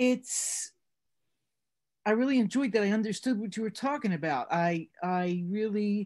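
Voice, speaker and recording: In an ordinary speaking voice, a woman of medium pitch talks at a moderate pace with lively intonation. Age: 60s. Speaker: support group member. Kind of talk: sharing at a meeting.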